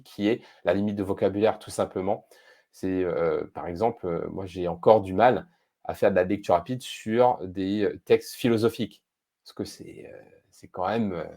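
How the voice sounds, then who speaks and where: A man being interviewed as a guest on a podcast, explaining his expertise in a thoughtful, measured way with frequent hesitations. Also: on the low side, dark tone.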